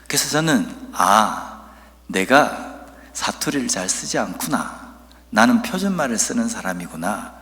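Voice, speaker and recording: A man from Busan, South Korea, with a Busan accent, preaching a sermon as a pastor, telling stories earnestly and reading scripture slowly and emphatically. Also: lowish voice, big pitch swings, fairly bright tone, long reverb tail. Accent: Busan dialect.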